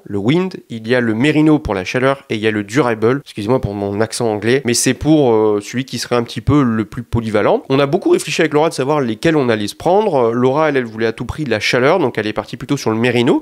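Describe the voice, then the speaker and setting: A young man from France walks his viewers through a product review in a casual, talkative way. His voice sits at an ordinary middle pitch, and he explains each point at length, speaking straight to the audience and often pausing on small hesitations. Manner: explanatory, addresses viewers directly, frequent hesitations. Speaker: photography gear reviewer.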